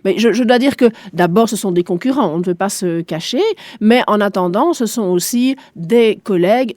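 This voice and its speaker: A woman's voice: mid-range voice, mellow, dry recording. Businesslike woman, German native, dry studio. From eastern Belgium. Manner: composed, businesslike, explains with figures. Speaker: guest, shopping centre director. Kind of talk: radio interview answers.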